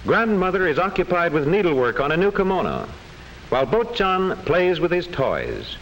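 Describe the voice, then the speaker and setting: A man's voice: a little high, very animated, normal speed, a bit bright. A man with an American accent reading scripted 1940s classroom film narration in a formal, precise storytelling manner. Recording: faintly noisy old film soundtrack.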